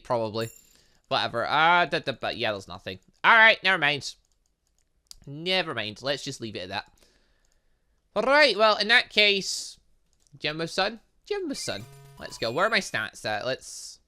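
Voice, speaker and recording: A young man hosts a casual gaming commentary in a bright, forceful voice. His pitch moves up and down a lot as he rambles, thinks aloud and mutters little filler sounds to himself. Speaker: gaming channel host. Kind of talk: casual let's play commentary on a visual novel game.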